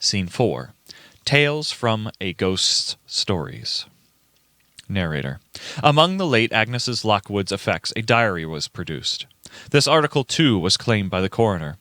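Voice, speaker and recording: A man reading scripted radio play narration in a deliberate, dramatic way. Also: on the low side, big pitch swings, bright, forceful tone, no echo, clean studio sound. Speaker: reader, narrator.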